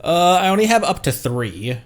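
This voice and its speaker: A man's voice: sits high, sing-song, normal speed. A man streaming a game with casual, playful commentary, often stammering and repeating his words as he reacts.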